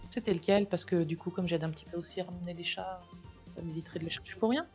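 A woman's voice: on the low side, fast, a little mellow, faint music behind. A woman playing in a tabletop role-play game, with a playful, teasing way of talking. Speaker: player.

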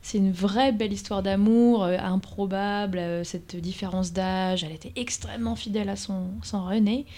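A woman on a podcast panel who gives her view in a measured, reflective way. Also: medium pitch, steady tone, warm tone. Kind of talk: casual podcast chat.

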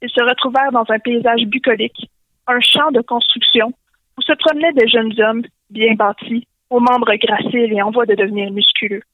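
A woman's voice: a little high, steady tone, normal speed, dry recording. A woman with a Québécois French accent reading a comic story aloud over a phone call, in a playful way. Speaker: guest storyteller. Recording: tinny phone line.

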